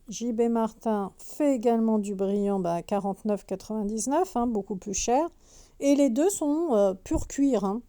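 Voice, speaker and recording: A woman vlogger inside a large discount store chats casually while showing a shoe display, reading prices aloud and filling gaps with "euh" and "hein." Her voice is fairly high, dark-toned, clear and resonant, with a slightly sore throat from wearing a mask.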